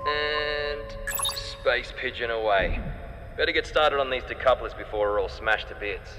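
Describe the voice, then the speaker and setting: An actor playing a breezy, joking spaceship engineer who talks colloquially in a sci-fi audio drama. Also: male voice, mid-range voice, a little slow, sharp tone, long reverb tail, soft background music. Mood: breezy, upbeat.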